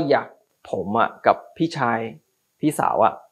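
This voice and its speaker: With a Chinese accent, a man speaks with ordinary pitch variation. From China. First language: Chinese (speaking Thai). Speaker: e-commerce company CEO. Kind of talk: interview.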